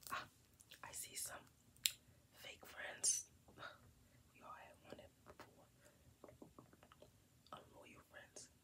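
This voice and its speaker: A man whispers at a very slow pace, leaving long, frequent pauses. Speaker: ASMR creator. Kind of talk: ASMR role play with affirmations. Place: home room. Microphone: phone near.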